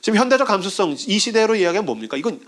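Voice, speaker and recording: Korean guy preaching, high pitched and super animated, does little voices for people in his examples. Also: rapid-fire. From South Korea. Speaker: pastor. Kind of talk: sermon.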